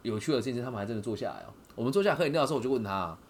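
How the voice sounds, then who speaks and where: A man with a Taiwanese Mandarin accent talks quickly, with his pitch swinging widely. He hosts a podcast in a casual storytelling style and keeps checking that his listeners follow along. A faint hiss sits under his voice. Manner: lively, asks listeners rhetorical questions. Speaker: podcast host.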